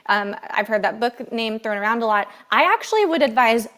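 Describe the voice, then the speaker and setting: A bubbly woman in her thirties talks casually on a podcast. Her voice sits fairly high. She rambles warmly and laughs easily. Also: animated, brisk. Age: 30s. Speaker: podcast co-host. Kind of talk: casual chat.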